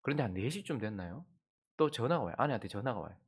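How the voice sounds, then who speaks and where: A male pastor preaching an early-morning sermon, telling a family story in an animated way and speaking to the congregation. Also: medium pitch, quick pace, slightly rough. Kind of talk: anecdotal dawn-service sermon.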